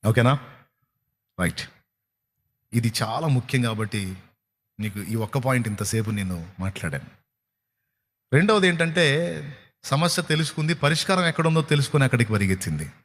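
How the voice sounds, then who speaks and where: A man preaching a sermon at a night prayer service, asking rhetorical questions and swinging his pitch widely for emphasis. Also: lively intonation, moderate pace, long pauses, fairly bright tone. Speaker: pastor. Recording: long hall reverb.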